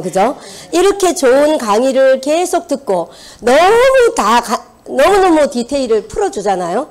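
Lively Busan woman giving a seminar talk. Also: high voice. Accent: Busan Gyeongsang. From Busan, South Korea. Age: 50s. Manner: lively storytelling with audience questions. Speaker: seminar speaker. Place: seminar hall.

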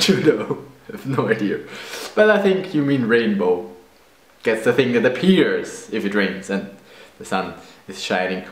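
A man's voice: fairly high pitch, echoey room. A young man in his twenties with a German accent, playful and self-mocking as he answers questions in a casual video. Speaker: vlogger. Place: room indoors. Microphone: camera at close range.

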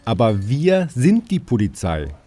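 An actor playing a weary police emergency dispatcher, dry and sarcastic. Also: male voice, medium pitch, wildly swooping pitch, unhurried, mellow. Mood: sardonic. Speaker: police emergency call operator. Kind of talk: radio play with narration.

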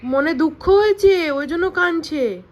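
A woman's voice: very high-pitched, lively intonation, unhurried. A young woman, a mother, chatting in a family vlog and talking in affectionate baby talk to her small daughter. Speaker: vlogger mother. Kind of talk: casual family vlog chat.

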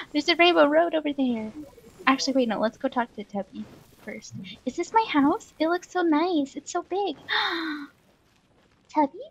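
A woman's voice: sits high, expressive, measured pace, lo-fi sound, a little hiss or hum. A woman giving casual, playful, giggly commentary as she streams a game with a friend. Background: soft game music.

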